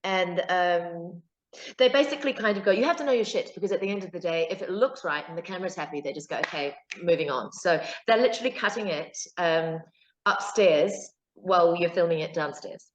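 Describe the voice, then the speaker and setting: A woman with a New Zealand accent, speaking in a lowish register and telling anecdotes in a chatty way, with plenty of fillers. Her voice comes through a muffled, lo-fi line in a roomy, echoing space. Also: brisk. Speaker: guest actor. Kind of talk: casual interview chat. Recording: echoey, dull lo-fi call audio.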